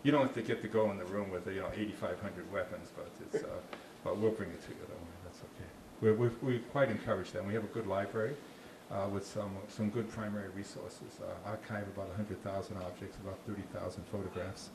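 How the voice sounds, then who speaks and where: Low-pitched and fairly even, this Boston-accented park ranger talks fast with few pauses during an informal session with audience questions. He uses a handheld mic in a small dark meeting room with a slide screen, restarting often and slipping in dry jokes. The audio has room echo and faint noise.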